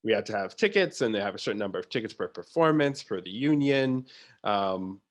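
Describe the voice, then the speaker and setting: A theatre producer appears as a guest in a casual conversational interview. His voice is fairly low, expressive and brisk, and he talks informally, adding asides and the occasional mimicked reaction.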